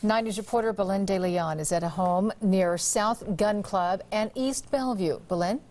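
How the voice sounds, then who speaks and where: A woman's voice: medium pitch, normal speed, darkish tone. A female news anchor with an American accent and a mid-range voice. She reads scripted introductions and hands off to reporters in a broadcast style.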